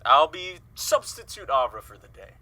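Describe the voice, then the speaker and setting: A man's voice: a little high, very animated, normal speed, pushed and bright, full character voice. A man playing a jovial, folksy newspaper colleague in an audio drama, cheery and courtly in manner. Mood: delighted.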